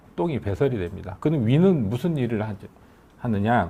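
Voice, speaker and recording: A man's dark, mellow tone with lively intonation. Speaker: oncology professor giving a health lecture. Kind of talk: lecture. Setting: live lecture. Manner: somewhat halting, many fillers.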